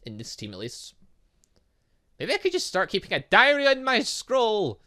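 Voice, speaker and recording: This is a gaming host doing let's play commentary with very animated pitch. The delivery is rambling and excitable, moving between reading game text and exclaiming in loose asides. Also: normal speed.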